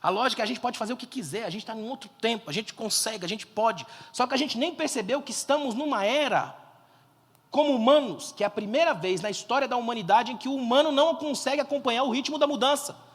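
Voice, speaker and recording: A man preaching a fervent sermon as a pastor, swelling to loud emphasis and quizzing the crowd. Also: very high voice, fast talker. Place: church conference hall. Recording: long hall reverb.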